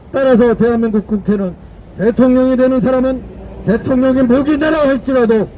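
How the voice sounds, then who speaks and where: A man's voice: extremely high pitch, warm tone, slight background noise, rough recording. A man delivering an emphatic, declamatory political rally speech outdoors, repeating phrases for effect. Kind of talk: fiery political street speech.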